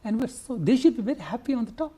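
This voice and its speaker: The older Nepali conservationist speaks in an extremely high, very animated voice that is warm and slightly rough. Answering interview questions in his Nepali accent, he is earnest but halting, with frequent restarts and fillers.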